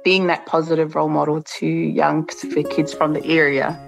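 A woman interviewer asks a question in a friendly, curious tone. Her voice sits very low for a woman. Guitar music plays clearly behind her. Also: monotone, moderate pace.

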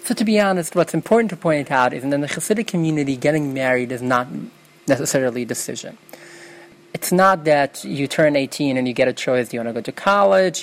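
Fast-talking young woman, native Yiddish speaker. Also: extremely low pitch, low-quality recording. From New York. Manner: quick, earnest, self-correcting. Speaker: interview guest. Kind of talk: casual interview answers.

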